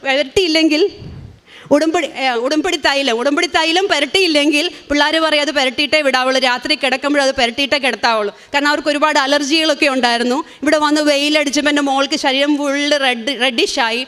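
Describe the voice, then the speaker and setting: Fast, bright-voiced Malayali woman testifying. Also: high voice, steady tone. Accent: Kerala Malayalam. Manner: earnest, emotional storytelling. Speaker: testimony speaker. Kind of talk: religious testimony.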